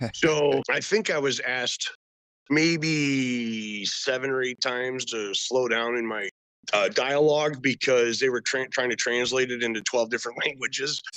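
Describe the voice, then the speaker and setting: A man speaks with a bright, sharp tone, his pitch rising and falling in a normal way. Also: medium pitch for a man. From Chicago area, US Midwest. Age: 50s. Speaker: military veteran, bomb disposal expert. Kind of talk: interview conversation. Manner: fast.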